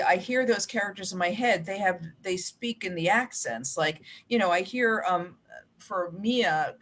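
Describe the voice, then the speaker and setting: A middle-aged American woman with a slightly low voice talks casually in an interview. She is chatty, drifting into asides as she tells her stories. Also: a bit bright. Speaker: mystery author, guest. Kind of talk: casual interview chat about writing.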